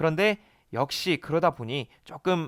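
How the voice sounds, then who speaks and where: A man talks with a fairly high pitch. The recording is very clean, and the background is silent. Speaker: electrical exam tutor. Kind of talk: lecture. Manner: fast; occasionally stumbling over words.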